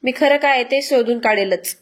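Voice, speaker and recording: A woman's voice: on the high side, moderate pace, lightly acted. A woman voicing a stern young husband pressing his wife with questions. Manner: questioning, insistent.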